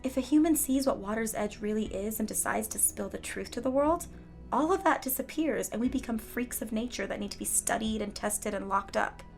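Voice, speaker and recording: A woman playing a calm, principled townswoman who speaks in a measured, articulate way in an audio drama. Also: a little high, gravelly, faint music behind. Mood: earnest, persuasive. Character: calm, principled female cryptid townsperson, gently persuasive. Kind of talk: naturalistic audio drama dialogue.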